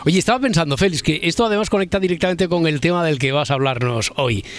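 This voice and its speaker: A man's voice: on the high side, quick pace. A man hosting a late-night radio talk show in a chatty, eager way, often repeating words. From Spain. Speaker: radio host. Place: radio studio.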